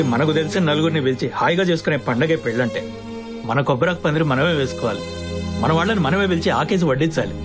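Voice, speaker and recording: A man's voice: a little high, natural voice. An actor playing an earnest, family-minded man in a Telugu film, speaking emphatically as if making a speech. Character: earnest, family-minded groom's-side man defending simple weddings. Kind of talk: Telugu film comedy-drama dialogue.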